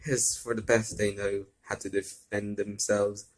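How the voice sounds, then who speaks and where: A man reading as solemn father, fairly low voice, deliberate orders, amateur fan fiction. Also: flat delivery, lightly acted.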